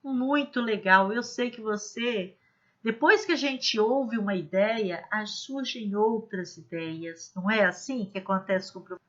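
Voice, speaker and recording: Slow, bright-voiced woman teacher. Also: medium pitch, muffled recording. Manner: slow, clear, demonstrative teaching with modeled examples. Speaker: literacy teacher trainer. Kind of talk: instructional video lesson.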